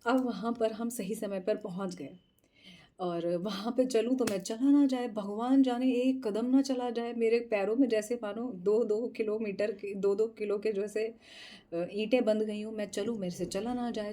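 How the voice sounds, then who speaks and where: Warm-voiced woman telling a lively story. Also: mid-range voice, normal speed. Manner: animated, laughs often while retelling; mixes English phrases into speech. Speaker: tarot channel host. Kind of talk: casual travel storytelling.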